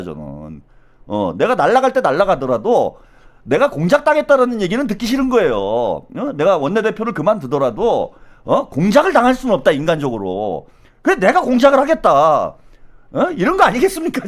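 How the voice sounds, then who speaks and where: A man with a high-sitting voice hosts solo political commentary, animated and blunt. His speech is slangy and constantly punctuated by the tag question "어?".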